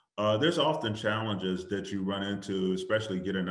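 Against a quiet background with audible room echo, a man with a fairly low pitch speaks in fairly even intonation. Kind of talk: webinar talk. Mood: encouraging, earnest. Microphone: video call.

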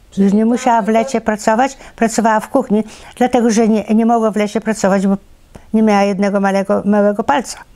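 Very fast in pace, a woman speaks at a fairly high pitch in a dark, mellow tone with flat, monotone intonation. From Poland, eastern borderlands (Tarnopol region). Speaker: Siberian deportation survivor. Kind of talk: oral history interview answer. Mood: calm, reflective remembering. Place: home room.

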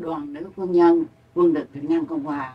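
With lively intonation, a woman speaks at a fairly low pitch. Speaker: war veteran; interviewee. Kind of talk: personal testimony. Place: studio.

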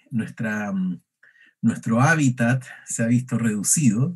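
The background is quiet. A man talks very slowly. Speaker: event host. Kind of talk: formal introduction. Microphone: video call.

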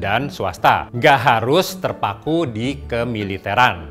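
A man talks at a very slow pace while faint music plays in the background. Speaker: presenter. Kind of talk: educational storytelling to camera. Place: studio.

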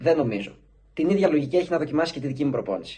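A man's somewhat breathy voice sits at a fairly high pitch over light background noise. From Thessaly, Greece (Elassona, Larissa); Thessaly, Greece. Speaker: amateur runner and YouTuber; YouTuber. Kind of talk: vlog narration. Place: home room. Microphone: phone near.

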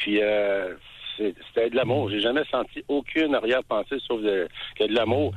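A normal speaking voice from a man, medium in pitch, fairly slow, with ordinary pitch variation. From Quebec. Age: 50s. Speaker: caller. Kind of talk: phone-in call. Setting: phone call.

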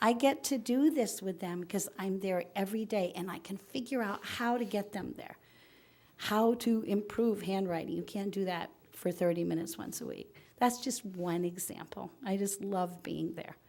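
A woman with an ordinary speaking voice talks at a moderate pace, her medium pitch showing ordinary pitch variation. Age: 60s. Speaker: occupational therapist and part-time teacher. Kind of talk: public comment at school board meeting.

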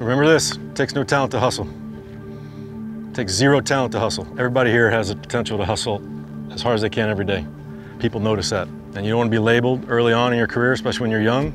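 A man talks at a very fast pace over clear background music. The sound is dry, with no echo. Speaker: guest baseball instructor. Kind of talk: coaching advice. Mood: earnest, encouraging. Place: stadium. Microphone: lapel.

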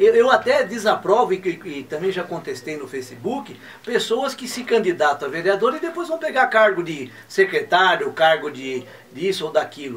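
Amid light background noise, a man speaks at a moderate pace in a high voice, with very wide pitch swings and big swings in loudness. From São Paulo city and Guarulhos, Brazil; São Paulo, Brazil. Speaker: lawyer. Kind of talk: TV interview. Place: studio.

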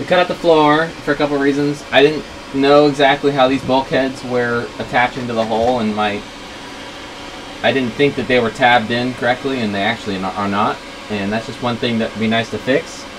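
Amid noticeable background noise, a man speaks at a fairly quick pace with ordinary pitch variation. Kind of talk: casual vlog chat. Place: boat. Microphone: camera far.

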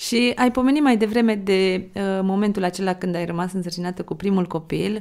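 Here is a woman with a normal speaking voice at medium pitch, speaking at a moderate pace with fairly even intonation. The recording is very clean, the background silent. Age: 40s. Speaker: podcast host. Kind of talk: podcast interview.

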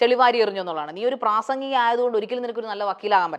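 A woman with a plain, everyday voice, fairly high in pitch, with ordinary pitch variation. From Kerala, Alappuzha. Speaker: TV anchor. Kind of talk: interview.

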